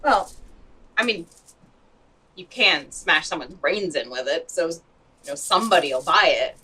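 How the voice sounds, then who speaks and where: A woman's voice: fairly low pitch, animated, measured pace, sharp tone, far from the mic, rough recording. A woman playing a scrappy post-apocalyptic weapons seller in a comedic audio drama, with casual, rambling sales patter. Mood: offhand.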